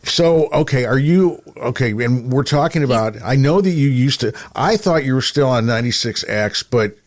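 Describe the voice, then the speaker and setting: A man's voice: medium pitch, animated, moderate pace. A middle-aged or older man hosting a casual interview, chatty and given to rambling stories. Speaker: podcast host, radio veteran.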